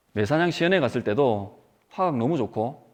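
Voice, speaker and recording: Lively intonation marks a man's speech, delivered in an animated tone. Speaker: wildlife photographer and camera lecturer. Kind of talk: lecture. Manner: animated, conversational.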